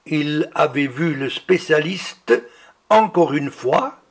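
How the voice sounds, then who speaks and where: A man preaching a sermon, reading out healing testimonies in a slow, deliberate way. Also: a little high, lively intonation, creaky, husky.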